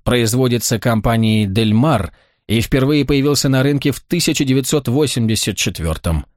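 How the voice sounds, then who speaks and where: A man's voice: mid-range voice, expressive, normal speed, darkish tone, dry recording, studio quality, lightly acted. A man reading a cocky, charming art expert. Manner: confident, amused, easy. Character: charming, self-assured American male art expert.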